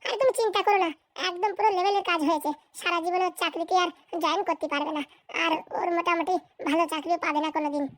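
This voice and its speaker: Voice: very high-pitched, steady tone, fast, a bit bright, dry recording. A performer voicing a scheming, bossy village madam in a comedy cartoon, with scolding, boastful colloquial chatter. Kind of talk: exaggerated cartoon comedy dialogue.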